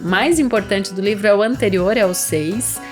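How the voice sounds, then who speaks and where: A Brazilian woman speaks as a literary reader and podcast host, at a middling pitch for a woman. Music plays clearly behind her voice. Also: normal speed. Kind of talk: literary narration and conversational book discussion.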